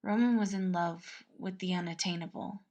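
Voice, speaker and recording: A woman reading a scripted story aloud as narrator, expressive and measured. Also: on the low side. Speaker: fan-fiction podfic reader.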